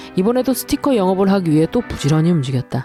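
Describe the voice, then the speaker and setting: Very wide pitch swings over music in the background. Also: woman. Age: 50s. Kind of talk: personal storytelling narration.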